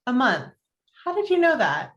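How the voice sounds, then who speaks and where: A woman's voice: high voice, wildly swooping pitch, moderate pace, highs cut off. A woman playing Sally, a fussy, wry and skeptical young journalist, in a table read of a romantic comedy script. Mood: wry, dry. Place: indoor room, virtual table read.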